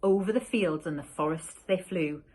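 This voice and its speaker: A woman teacher reading a rhyming picture book aloud, slow and expressive. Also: on the low side, slightly rough.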